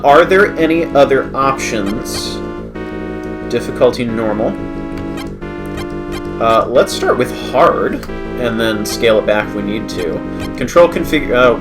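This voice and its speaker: A man's voice: medium pitch, slow, pauses often, music in the background. A man hosting a game livestream, stuffy from a cold, with wry, self-correcting commentary as he thinks aloud. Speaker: livestream host playing a game. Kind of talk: let's-play commentary.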